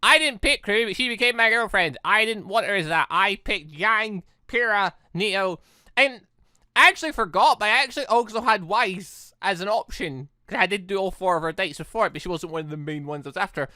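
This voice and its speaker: Gaming video host: bright, punchy voice, chatty and animated, casual commentary and read-aloud game text, dry sound. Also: medium pitch, fairly quick, no echo.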